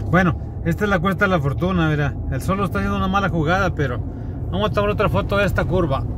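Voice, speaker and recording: This man moves at a fairly quick pace, his sound dry with no echo, while noticeable background noise runs underneath. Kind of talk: casual vlog chat. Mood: joking, storytelling. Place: car.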